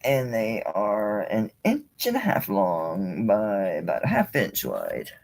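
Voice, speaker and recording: Slow, lively-voiced woman selling jewelry. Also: extremely low pitch, vocal fry, low-quality recording. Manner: chatty, laughs often, talks to herself while handling items. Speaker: online jewelry seller. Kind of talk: casual live auction chat.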